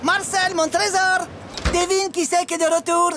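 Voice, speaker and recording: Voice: very high-pitched, flat delivery, normal speed, heavy background noise. An actor voicing a doting, fussy cartoon dog owner who gushes in baby talk. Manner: gushing baby talk to a pet. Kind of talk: animated series acting.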